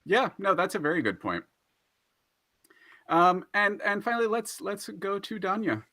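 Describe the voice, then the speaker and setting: A man's voice: sits high, lively intonation, unhurried, sharp tone, no echo, clean studio sound. A man moderating a panel discussion, thoughtful and affirming as he responds to the speakers.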